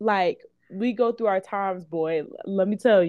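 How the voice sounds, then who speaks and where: A normal speaking voice at a moderate pace. Pitch moves in an ordinary way. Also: woman. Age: young (19). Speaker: college student podcast co-host. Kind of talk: casual chat.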